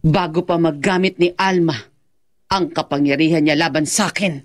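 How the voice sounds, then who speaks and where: Menacing black magic villainess played by an actress. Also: female voice, low-pitched, steady tone, normal speed, natural voice. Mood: cold vengeance. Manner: taunting, threatening. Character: menacing villainess wielding black magic, vengeful crime boss. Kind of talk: radio horror drama acting.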